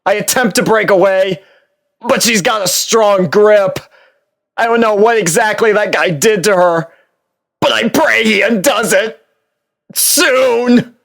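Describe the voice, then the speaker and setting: A man reading fan fiction as a first-person narrator, expressive and theatrical. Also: high-pitched, dry recording, clean studio sound.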